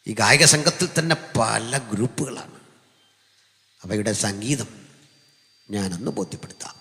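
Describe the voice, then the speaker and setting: A male pastor preaching a live sermon to a seated congregation through a microphone, jumping from loud proclamations to quiet, joking asides. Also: lowish voice, expressive, unhurried, gravelly. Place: large hall with a seated audience. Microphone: amplified stage microphone. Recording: long hall reverb from a live PA.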